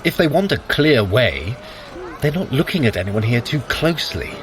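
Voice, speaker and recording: An actor playing a sardonic, scheming god in an audio drama, speaking formally with wry, cool command. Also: male voice, mid-range voice, very animated, moderate pace, a bit bright, a little hiss or hum. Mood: urgent, commanding.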